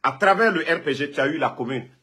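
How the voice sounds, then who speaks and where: A man's voice: on the high side, animated, fast, pushed and bright. A man from Guinea, ranting and scolding a rival on a live phone video, repeating himself. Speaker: political online commentator.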